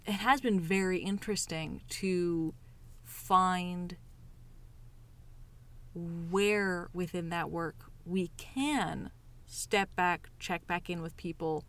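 A woman with a fairly low voice speaks very slowly and deliberately, pausing to find the right words. She keeps a calm, conversational tone as she co-hosts. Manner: measured, deliberate, searching for words. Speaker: podcast co-host and circus performer. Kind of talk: casual conversation.

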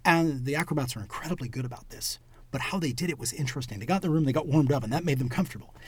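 A man co-hosting a podcast, explaining his craft in a reflective, casual way, his phrases often trailing off quietly. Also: on the high side, racing, slightly rough, dry recording. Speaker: podcast co-host and clown performer.

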